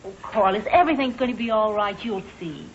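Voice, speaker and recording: A woman plays a calm, kind middle-aged mother who sounds soothing and polite. This is 1940s radio acting on a dull old recording. A faint hiss sits behind her. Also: medium pitch, brisk, natural voice. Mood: gentle.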